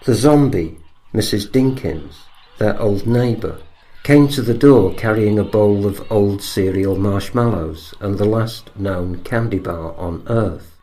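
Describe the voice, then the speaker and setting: Male narrator for comic horror audio fiction, lowish and very soft-edged in tone, reading scripted prose. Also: unhurried, rough recording.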